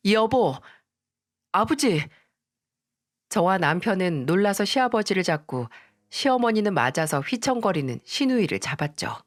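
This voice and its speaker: A woman's voice: lowish voice, sing-song, moderate pace, no echo, studio quality. A woman narrating a first-person family story in a conversational tone. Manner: conversational, recounting.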